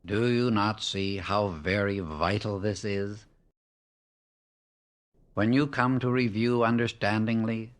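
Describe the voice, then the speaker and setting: Low-voiced man reading a solemn spiritual audiobook. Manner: solemn, measured, emphatic delivery in short phrases. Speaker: audiobook reader. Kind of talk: scripted spiritual discourse narration.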